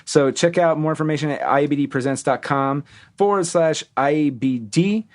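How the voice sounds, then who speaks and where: A man's voice: fairly high pitch, normal speed. A man hosting a casual podcast, reading plugs and sponsor spots in a rambling, jokey way that keeps correcting itself. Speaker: podcast host.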